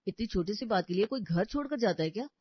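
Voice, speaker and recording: A man's voice: high voice, animated, fast talker, breathy edge, no echo. A man voicing a mild, apologetic young husband in a cartoon story, trying to keep the peace. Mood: placating. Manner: apologetic and placating. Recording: dry, slightly dull audio.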